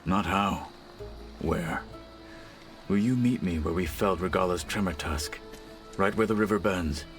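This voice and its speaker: An actor playing a stern, one-armed tribal warrior who speaks in a formal, measured way in a video game cutscene. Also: male voice, sits low, faint music behind. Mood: solemn.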